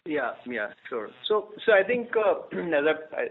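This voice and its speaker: A man's voice: on the high side, very animated, measured pace. A man speaking as a finance executive on an earnings call, often checking in with "right?" as he explains. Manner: frequent "right?" tags. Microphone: conference call line. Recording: tinny conference phone line.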